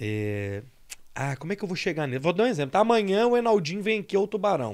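In a high voice, a man talks at a fairly quick pace with very wide pitch swings. The background is quiet. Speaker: podcast host. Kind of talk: casual interview, live stream with ad reads; casual podcast conversation. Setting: studio, live-streamed podcast. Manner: animated, chatty. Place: studio. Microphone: studio mic.

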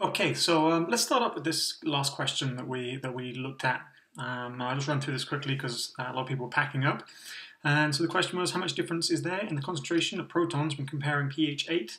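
A man talks at a very fast pace. His pitch moves with ordinary variation. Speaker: university lecturer. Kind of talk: lecture. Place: classroom.

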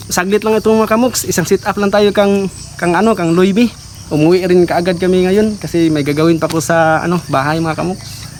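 Noticeable background noise runs through the clip. The speech moves at a fairly quick pace. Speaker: vlogger. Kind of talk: casual vlog. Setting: outdoors in forest.

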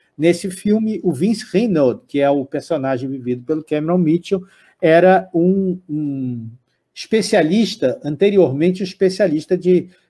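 Against a quiet background, a man with a high pitch and a dark, mellow tone speaks fairly slowly with lively intonation. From Brazil, raised in Petrópolis (Rio de Janeiro state); Rio de Janeiro state, Brazil. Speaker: lecturer on horror and film culture; lecturer on horror. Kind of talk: lecture. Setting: live video stream. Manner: halting, many fillers and repetitions. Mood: relaxed, nostalgic storytelling. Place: home room.

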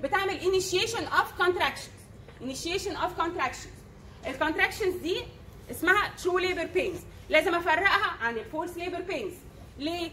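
A woman talks in a raised, projected voice at an extremely high pitch, with ordinary pitch variation. Her pace is fairly quick, and light background noise sits underneath. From Egypt. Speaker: medical lecturer. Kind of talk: lecture. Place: classroom. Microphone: microphone problem; lapel.

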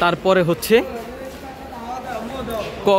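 Noticeable background noise sits behind the voice. The sound is dry with no echo, and the pitch varies in an ordinary way. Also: man. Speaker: train travel vlogger. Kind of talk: casual vlog commentary. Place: station. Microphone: phone near.

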